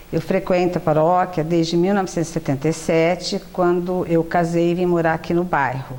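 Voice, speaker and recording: Noticeable background noise sits behind a woman speaking at a moderate pace. Her pitch is fairly low. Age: 60s. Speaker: parish secretary. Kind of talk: interview. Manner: halting.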